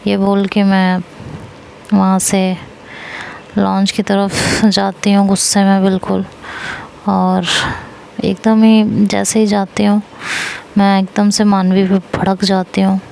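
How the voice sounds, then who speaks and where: A woman's voice: medium pitch, monotone, slow, vocal fry, pauses often, darkish tone, slight background noise, low-quality recording. A woman narrating a first-person audio love story casually, mixing English phrases into her speech.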